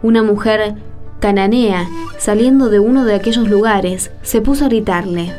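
A woman performs a gentle radio-play storyteller. The tone is dark and relaxed, at a medium pitch. Faint guitar music runs underneath. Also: normal speed, close to an everyday voice. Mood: calm narration. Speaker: narrator and friend character. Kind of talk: scripted radio drama narration and reading.

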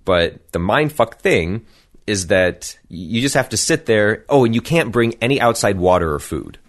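A man's voice: on the low side, very animated, normal speed. An American man, a podcast guest, telling stories casually with profanity and mimicked voices. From United States. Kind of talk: casual storytelling.

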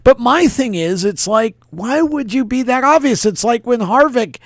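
A man's voice: very high voice, animated, normal speed, dry recording, clean studio sound. A man from New York, co-hosting a casual sports debate show, who rambles, restarts his sentences and laughs easily. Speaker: co-host.

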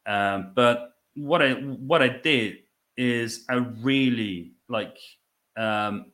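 The speaker, a Dutch man in his thirties who owns a business, talks through his story as a podcast guest with a Dutch accent. His mid-range, slightly bright voice is reflective and conversational, marked by halting phrasing and repeated words.

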